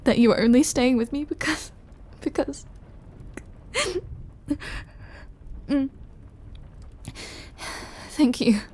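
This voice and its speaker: Immortal vampire girlfriend played by a woman for audio roleplay: husky-breathy, unhurried, hushed, tender, aching with remorse. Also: high-pitched. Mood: tearful relief. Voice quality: breathy, often half-whispered. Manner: slow, hushed, emotional delivery with long pauses. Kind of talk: intimate scripted audio roleplay.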